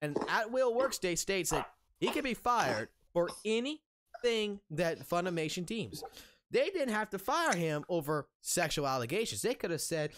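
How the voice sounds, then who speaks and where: A man's voice: high-pitched, very animated, normal speed, fairly bright tone. A man in his thirties ranting on stream in an open discussion, heated and profane, restarting his sentences often. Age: 30s.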